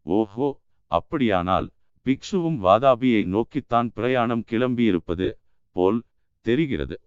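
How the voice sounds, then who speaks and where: A man's voice: mid-range voice, animated, measured pace, smooth, no echo, close to an everyday voice. A man voicing an arrogant, jealous army general who speaks with scorn and curt orders, in a dry, dull-sounding recording. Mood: scornful.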